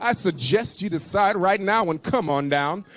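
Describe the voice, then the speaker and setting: Over noticeable background noise, a man with a high pitch sounds animated, keeping a moderate pace and lively intonation. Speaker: preacher. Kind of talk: sermon. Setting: church. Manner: fervent, pleading.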